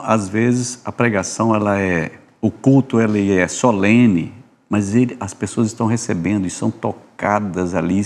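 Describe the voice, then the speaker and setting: A man's voice: on the low side, darkish tone. A Brazilian man, host of a church podcast, telling anecdotes in a rambling way with restarts. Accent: Brazilian Portuguese. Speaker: podcast host, music minister. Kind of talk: casual church podcast chat.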